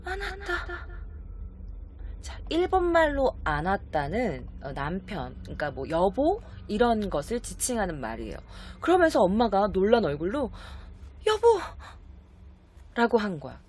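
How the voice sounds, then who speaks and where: Woman telling a spooky tale, lively pitch. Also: normal speed, few pauses, a little hiss or hum. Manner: chatty, animated, acts out short quoted voices. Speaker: YouTube storyteller. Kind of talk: casual spooky storytelling.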